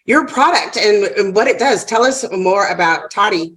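This is a woman with a mid-range voice hosting a podcast. Her pitch rises and falls a great deal in bubbly, teasing banter. She talks in a casual, conversational way. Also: animated, moderate pace, a bit bright. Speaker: podcast host.

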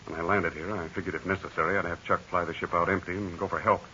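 An American actor playing a decisive, concerned aviator captain in 1940s radio serial style, brisk, earnest and authoritative. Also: male voice, low-pitched, steady tone, bright, forceful tone. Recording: dull, hissy 1940s radio recording.

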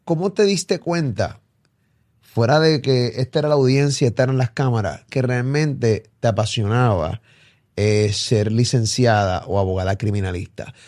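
A man's voice: medium pitch, moderate pace, darkish tone. Puerto rican guy hosting an interview, talks a lot, lots of fillers and wow moments, mid voice. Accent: Puerto Rican Spanish. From Puerto Rico. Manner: talkative, many fillers and restarts, exclamations. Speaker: radio and online show host. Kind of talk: casual interview.

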